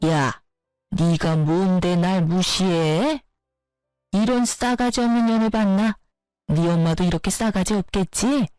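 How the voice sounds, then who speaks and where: A woman voicing a scornful, bullying older mother-in-law who scolds and insults her daughter-in-law in a lower, slower voice. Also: darkish tone, no echo, faint music behind, natural voice. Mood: yelling abuse.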